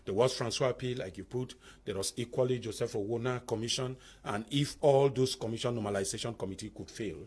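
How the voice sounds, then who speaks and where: A man's voice: medium pitch, a little fast, hardly any pauses, a little mellow, slightly rough. A man, a panel guest arguing a point in a heated debate with pressing rhetorical questions.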